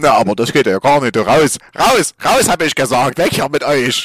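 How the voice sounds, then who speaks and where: Using a put-on character voice, a man speaks at a moderate pace with fairly high pitch and lively intonation. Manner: angry, shouting.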